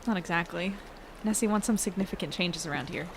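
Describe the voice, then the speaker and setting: A woman playing a hesitant, wry young woman in an audio drama, with a halting delivery. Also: lowish voice, slight background noise, lightly acted.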